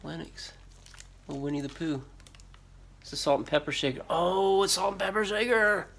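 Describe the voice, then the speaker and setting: Speaking at a normal speed in a high, creaky voice, this middle-aged American vlogger rambles casually while unboxing finds as a storage auction buyer and reseller. The concrete-floored storage unit setting is captured on a noisy handheld recording with crinkling and clicks. Loud rustling, crumpling and clicking dominate the background.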